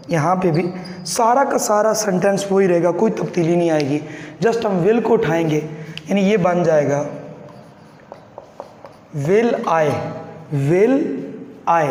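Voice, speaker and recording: A man teaching a grammar lesson, repeating words and phrases slowly as if dictating and mixing in English example sentences. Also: sits high, a little mellow. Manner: mixes English example sentences into his explanations. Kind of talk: classroom-style grammar lecture. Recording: echoey room with long reverb and faint hiss.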